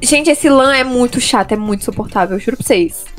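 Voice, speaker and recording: A young Brazilian woman giving excited, laughing commentary while playing a game with friends, squealing and teasing. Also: on the high side, fast talker, soft background music. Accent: Brazilian Portuguese. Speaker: gamer.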